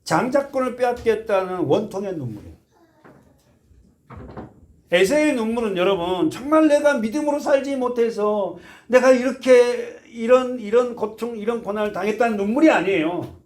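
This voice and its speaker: A man's voice: animated, normal speed. A man preaching a sermon as pastor, emphatic and full of questions to the congregation, with folksy asides and led group readings. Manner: emphatic, swings between soft low asides and loud impassioned appeals. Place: church sanctuary.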